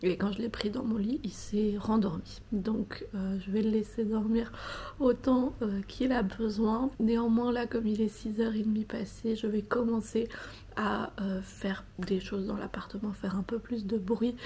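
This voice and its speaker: Quiet and whispering, a woman talks at a fairly slow pace against noticeable background noise. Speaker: vlogger. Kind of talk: casual vlog talk. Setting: at home in the apartment, early morning. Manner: whispering, speaking very quietly.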